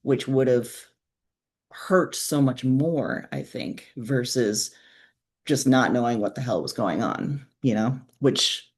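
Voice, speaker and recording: A woman's voice: very deep voice, slow pace, breathy edge. A woman in her forties speaking reflectively and frankly as a guest author in a conversational interview. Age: 40s.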